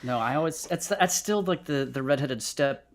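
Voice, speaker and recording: A man co-hosting a casual live podcast, his pitch swinging widely as he talks. He is emphatic and jokey, doubling back on his phrases while he banters. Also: expressive, moderate pace. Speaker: co-host of a podcast live show.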